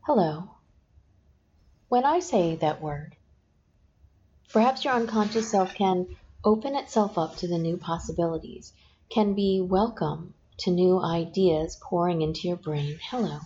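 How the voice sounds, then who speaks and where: A woman hypnotist talks the listener down into trance with slow, soft, repeated suggestions. Her voice sits low and mellow. The recording is dull and lo-fi, with a faint hiss underneath. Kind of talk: guided hypnosis session. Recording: dull lo-fi sound with faint noise.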